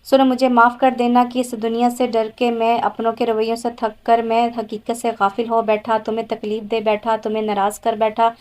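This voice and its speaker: A remorseful young man asks softly for forgiveness, read by a woman narrator. The voice sits fairly high and stays even, with little rise and fall. An audio-novel reading. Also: hardly any pauses, close to an everyday voice. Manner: soft, apologetic.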